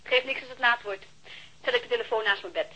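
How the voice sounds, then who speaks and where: A woman's voice: on the high side, quick pace, slightly rough, muffled recording. An actress playing a playful, teasing woman talking to her partner on the phone in a radio play.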